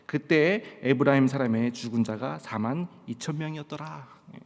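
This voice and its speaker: A man's voice: medium pitch, moderate pace. Male Korean pastor from Pohang, storytelling sermon voice, long church reverb. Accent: standard Korean, trained out of Gyeongsang dialect. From Pohang, South Korea. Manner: storytelling with frequent "예" fillers and acted-out quotes. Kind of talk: sermon at a Friday prayer meeting. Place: church sanctuary.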